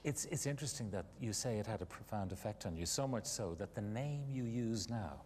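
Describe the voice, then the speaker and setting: An Irish man hosts a TV interview, nudging his guest along with halting, um-filled questions. His voice sits in a long studio reverb with a faint hum behind it. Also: lowish voice, animated, darkish tone. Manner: hesitant, prompting, many ums and uhs. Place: television studio in the round.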